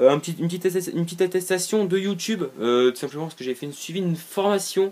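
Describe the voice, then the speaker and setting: A man is talking. His pace is fairly quick. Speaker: tech YouTuber. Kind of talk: casual room tour vlog. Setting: home bedroom, camera on tripod. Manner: halting, many fillers; relaxed, casual.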